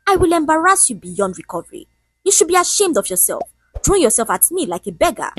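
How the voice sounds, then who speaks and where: A woman voicing a rich, cruel, arrogant woman boss who talks in a sharp, scornful, barking way. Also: high-pitched, sing-song, fast, soft background music, pitched above the performer's own voice. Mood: venomous.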